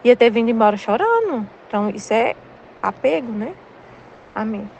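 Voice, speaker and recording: A woman's voice: fairly high pitch, sing-song, normal speed, vocal fry, darkish tone, a little hiss or hum. A woman in her thirties with a Brazilian Portuguese accent, leading a Catholic study and candidly sharing a personal faith testimony in casual spiritual reflection. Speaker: Catholic study group leader.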